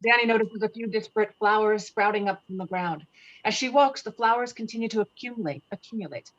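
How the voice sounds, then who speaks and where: A woman narrates screenplay stage directions in scripted style. Her pitch is mid-range for a woman, and the recording is a little dull, like an online call. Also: quick pace, fairly bright tone. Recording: slightly muffled online call audio.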